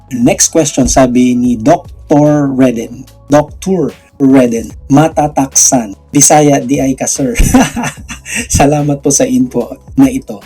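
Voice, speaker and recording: A man's voice: mid-range voice, mellow, husky. A Filipino man with a slight Visayan accent, chatting through a screen-recorded tutorial and answering viewer questions, often checking in with "okay?". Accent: Visayan-tinged Filipino. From Philippines. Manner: chatty, explanatory, laughs often, frequent "okay?" tags. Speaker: vlogger.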